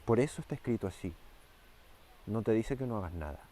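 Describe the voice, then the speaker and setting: A man preaching a fervent sermon, repeating key phrases and slowing down and rising for emphasis. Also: on the low side, animated, warm tone, a little hiss or hum.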